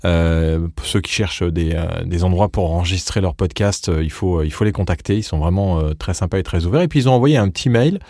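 A man co-hosting a podcast, talking in casual chat, measured and hesitant with many fillers. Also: low-pitched, mellow, dry recording, clean studio sound. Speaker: podcast co-host.

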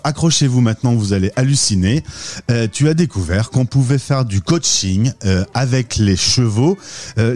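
A man hosting an interview show, lively and upbeat, leading his guest through her story with questions. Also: mid-range voice. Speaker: podcast host.

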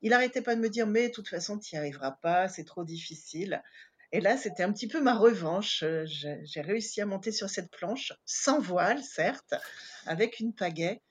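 Parisian-born woman in her 50s, kinda husky, rambles with lots of "heu"s, casual chat. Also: medium pitch, lively intonation, moderate pace. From Paris, France. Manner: chatty, many hesitant fillers. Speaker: interview guest.

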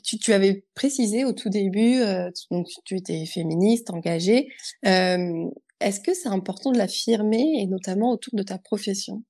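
A woman with a very mellow, soft-edged voice of average pitch. She hosts a conversational podcast interview, feeling her way into each question. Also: normal speed. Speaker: podcast host.

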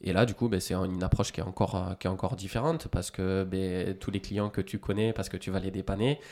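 A man's voice: sits low, steady tone, fairly quick, dark tone. Chatty man with a light Toulouse accent. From central France. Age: 30s. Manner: chatty, many hesitations and restarts. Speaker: podcast guest. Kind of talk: casual interview storytelling.

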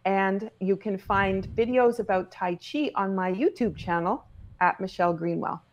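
A woman speaks as a guest in a casual interview. Her voice sits at a middling pitch for a woman. She is playful and encouraging, as if talking with a youngster. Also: normal speed, muffled recording. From Cape Breton, Nova Scotia, Canada. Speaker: podcast guest.

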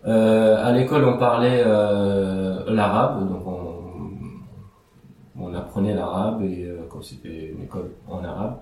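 Young man, from Iraq, first language Aramaic, hesitant, lots of fillers, low voice, very echoey room. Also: fairly even intonation, slow, a little mellow, recorded from a distance. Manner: hesitant, many fillers and restarts. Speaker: interview guest. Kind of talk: casual interview.

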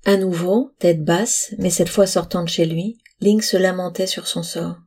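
A woman narrates a storybook at a calm, even pace. Her voice is warm and husky with a gravelly edge. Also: fairly low pitch, a little slow. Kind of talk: reading a storybook aloud.

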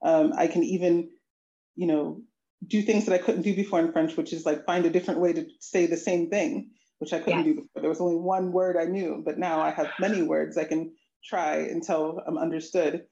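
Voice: medium pitch, steady tone, a little fast, gravelly, mellow. Earnest interviewee in an echoey room. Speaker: interviewee, language student. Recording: echoey, muffled lo-fi audio.

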